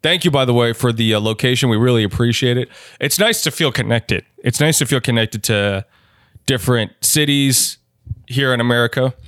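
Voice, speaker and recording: A man co-hosting a comedy podcast, reading listener emails in a deadpan way with halting restarts. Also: medium pitch, no echo, studio quality. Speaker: podcast co-host. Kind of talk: casual comedic podcast banter.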